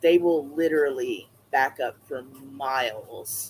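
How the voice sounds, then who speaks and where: A woman with a Southern US accent speaks in a fairly low voice with lively intonation. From US South. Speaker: livestreamer, aquarium hobbyist. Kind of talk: casual livestream chat. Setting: livestream.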